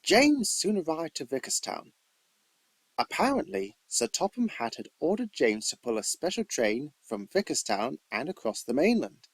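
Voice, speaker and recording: A man's voice: on the high side, very animated, normal speed, slightly rough, no room sound. A man reading scripted storybook narration as an amateur narrator, with theatrical emphasis.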